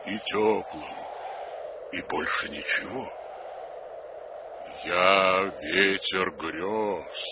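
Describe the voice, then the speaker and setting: An actor playing a calm, wise and enigmatic Wind of dreams in a radio play, speaking in a measured, philosophical way. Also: male voice, low-pitched. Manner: slow, measured, philosophical, patronizing to the youth. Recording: loud music bed under the voice. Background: loud music.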